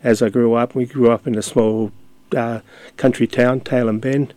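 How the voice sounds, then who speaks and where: An older man speaks in a level, unvaried voice, pausing often on fillers and restarting his sentences. The sound is close and dry, with no room around it. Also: mid-range voice, level tone, mellow, no echo. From Australia. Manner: hesitant, many fillers and restarts. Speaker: community radio guest. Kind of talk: casual interview talk.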